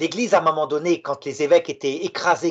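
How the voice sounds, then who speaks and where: A man talks at a fairly quick pace. His high-pitched voice has lively intonation. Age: 60s. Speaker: theologian. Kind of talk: panel discussion.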